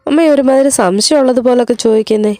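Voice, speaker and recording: A woman's voice: a little high, fast talker, dark tone, no room sound, voice pushed up, lightly acted. Woman voicing an evasive young wife. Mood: defensive. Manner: defensive, excuse-making.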